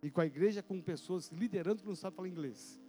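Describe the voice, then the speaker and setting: A male pastor, telling a personal story in a sermon with vivid, animated delivery and sound effects. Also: high-pitched, fast talker, faint music behind.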